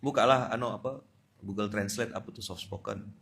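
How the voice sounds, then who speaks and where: A man preaching a lively sermon to a live audience, swinging between loud exclamations and soft asides and joking with the crowd. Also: fairly low pitch, brisk, creaky, slight background noise. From Indonesia. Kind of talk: lively sermon at a dawn study gathering.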